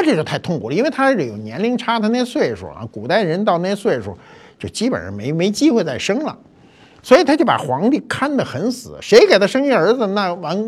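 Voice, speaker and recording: An older man tells a palace story as a talk show host. He keeps it chatty and colloquial, with a lively pitch that swoops up and down. His voice has a slightly husky edge.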